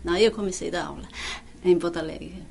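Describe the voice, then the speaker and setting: An older woman with a fairly low voice looks back on her teaching career. She is not a native speaker, and she talks haltingly, restarting her sentences. A faint hum of room ambience sits behind her. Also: gravelly, a little mellow. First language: not Portuguese. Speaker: music teacher interviewee. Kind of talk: oral history interview.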